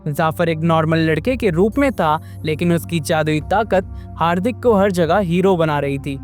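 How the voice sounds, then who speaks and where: A male storyteller narrating a scripted horror-fantasy tale. His voice sits high for a man and his delivery is lively and dramatic. Faint music plays under him.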